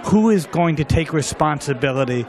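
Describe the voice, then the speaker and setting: A man's voice: a little high, expressive, normal speed, creaky, a little mellow. A man speaking passionately and persuasively in an interview. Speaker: panelist.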